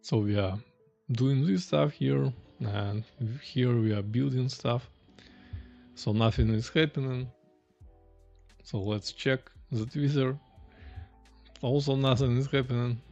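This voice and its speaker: A Russian indie developer streams from a small room, live-coding while he thinks aloud, chats casually and reads questions from chat. His medium-pitched voice is creaky and a little mellow, with the highs cut off.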